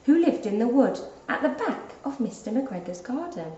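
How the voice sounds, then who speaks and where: A woman reads a children's storybook aloud with deliberate expression. Her medium-pitched voice moves up and down in an animated way. The recording is slightly dull, with clear room echo.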